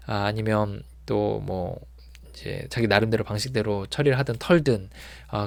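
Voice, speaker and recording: Gravelly guy rambling about recovery, lots of fillers, dry close sound. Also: fairly low pitch, no echo. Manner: rambling, many filler words and restarts; acts out shouting people when retelling. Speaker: addiction recovery counselor. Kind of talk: informal talk to viewers.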